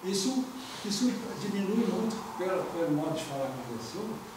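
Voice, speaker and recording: A man's voice: sits high, moderate pace, heavy background noise. A man with a Brazilian accent teaching Portuguese grammar in a classroom lecture, joking and acting out quoted lines. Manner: jokey, acts out quotes in lively voices. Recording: echoey room, voice from far off.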